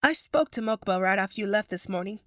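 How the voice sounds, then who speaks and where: A woman's voice: medium pitch, expressive, quick pace, dry recording, clean studio sound, lightly acted. A woman playing an earnest, concerned and clever young boy in an audio drama.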